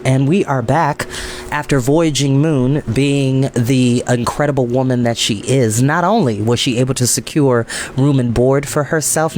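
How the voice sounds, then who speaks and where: A man's voice: medium pitch, a little mellow, a little hiss or hum. A man hosting a storytime, moving between casual, rambling chat and reading a story aloud. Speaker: host and storybook reader.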